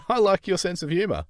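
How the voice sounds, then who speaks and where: A man's voice: sits high, no echo, pitched above the performer's own voice, full character voice. A man voicing an overeager mid-thirties father in a cartoon, dramatic and exuberant. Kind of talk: cartoon voice acting.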